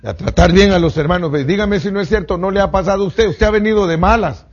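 Husky preacher guy, all fired up then going quiet, muffled lo-fi sound. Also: high voice, fast talker. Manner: animated, swings between loud bursts and hushed asides, calls listeners "hermano". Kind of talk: sermon. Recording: dull lo-fi recording.

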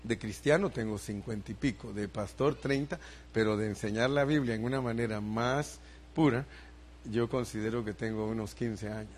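A man's voice: fairly low pitch, normal speed, a little hiss or hum. An older male pastor preaching a sermon, asking the congregation for responses and building emphasis.

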